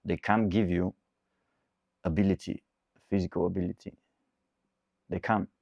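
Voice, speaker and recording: A man's voice: low-pitched, fairly even intonation, normal speed, creaky, dry recording, highs cut off. A man in his twenties, a coach, giving an earnest, repetitive motivational talk. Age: 20s. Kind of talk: motivational monologue.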